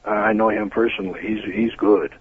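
A man with a Toronto accent calling in to a radio show, talking earnestly with many "uh"s and pauses. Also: lowish voice, flat delivery, husky, no room sound. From Toronto, Canada. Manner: earnest, halting, many fillers. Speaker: caller. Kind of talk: call-in phone chat. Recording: tinny phone line.

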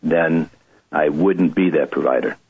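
A middle-aged man telling his story earnestly as an interview guest, halting and confessional. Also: a bass voice, slightly rough. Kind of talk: personal testimony interview. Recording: tinny phone-line radio audio.

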